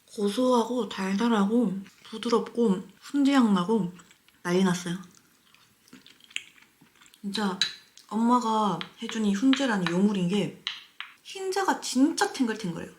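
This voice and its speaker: Expressive yet a little mellow, her medium-pitched voice moves at a measured pace with long pauses as she talks to viewers during her mukbang. She chews while speaking, often with a full mouth, and adds murmured, savoring comments. The room echoes, and there's faint noise with clicks.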